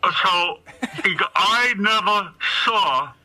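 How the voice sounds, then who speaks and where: A man's voice: high-pitched, expressive, slow pace, pushed and bright, voice pushed up, exaggerated voice. A man voicing his appalled, blustering elderly father in a comic radio story, emphatic and barreling on without listening. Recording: very noisy radio recording.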